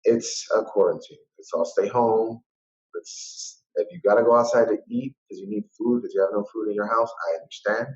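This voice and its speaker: A man's voice: fairly low pitch, fairly even intonation, brisk, highs cut off. A man guesting on a podcast, a bartender talking casually and emphatically, repeating his points to drive them home. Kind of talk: casual conversation.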